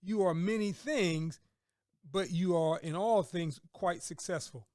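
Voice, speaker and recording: A man's voice: sits high, unhurried, darkish tone, no room sound, studio quality. A middle-aged man hosting a conversational interview, affirming and repeating words and phrases for emphasis. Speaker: podcast host and business mentor.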